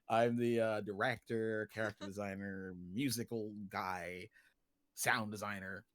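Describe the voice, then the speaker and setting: A man's voice: fairly low pitch, fairly even intonation, measured pace, a bit bright, no echo. A man chatting casually and jokingly as a guest animation director on a livestream. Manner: joking, informal, laughs easily.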